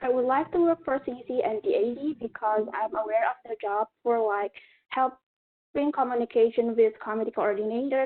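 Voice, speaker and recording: A high-pitched woman's voice with a non-native accent. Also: ordinary pitch variation, moderate pace. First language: not English. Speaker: candidate for student association office. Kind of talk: interview Q&A. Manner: halting.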